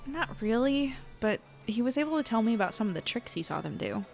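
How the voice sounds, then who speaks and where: An actress playing an earnest, slightly uncertain newspaper reporter, talking in a natural, conversational way. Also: female voice, fairly high pitch, very animated, brisk, gravelly, darkish tone, soft background music. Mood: casual, guarded. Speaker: young reporter. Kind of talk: naturalistic audio drama acting.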